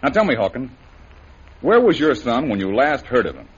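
An actor playing a confident, easygoing adventurer hero in an old radio drama. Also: male voice, mid-range voice, normal speed, slightly rough. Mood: steady. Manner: steady, easygoing, assured. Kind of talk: 1930s radio acting. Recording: dull old radio recording with faint hiss.

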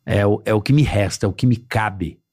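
A man's voice: lowish voice, a little fast, darkish tone. A man hosting a podcast, talking casually and thinking aloud with frequent restarts and repeated words. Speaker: podcast host, former radio presenter. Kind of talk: casual chat.

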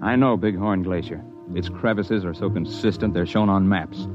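A man narrating a mountain adventure in the first person, steady and matter-of-fact, in an old radio drama style. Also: deep voice, moderate pace, close to an everyday voice. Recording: lo-fi old radio broadcast with music.

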